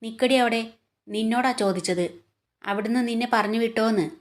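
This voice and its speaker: A woman's voice: fairly high pitch, natural voice. A woman storyteller voicing a harsh, scolding middle-aged stepmother who talks down with contempt. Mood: scornful. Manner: quick, contemptuous.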